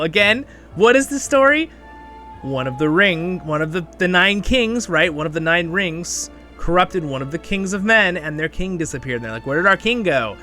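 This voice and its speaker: A man's voice: on the high side, bright, forceful tone. A man hosting a gaming channel, chatting enthusiastically and thinking aloud in casual gameplay commentary. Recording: music playing behind the voice. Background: music.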